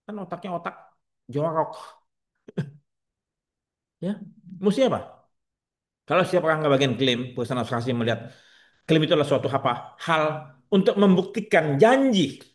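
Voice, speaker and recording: A man teaching a class of staff fires questions at them and answers them himself. His speaking voice sits fairly high. He is blunt and slips in joking asides. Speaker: insurance trainer.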